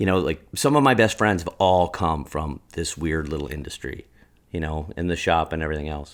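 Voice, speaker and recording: A man with an American accent talks at a fairly quick pace, his very deep, low voice showing vocal fry and ordinary pitch variation. The recording is very clean, with a silent background. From Wisconsin. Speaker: fly shop owner and fishing guide. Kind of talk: podcast interview, casual chat. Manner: animated, enthusiastic.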